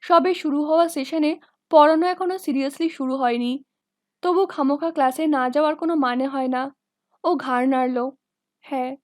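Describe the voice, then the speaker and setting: A woman reading a novel aloud as an audiobook, in a steady storytelling manner. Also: sits high, moderate pace, no echo, clean studio sound. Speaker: audiobook reader.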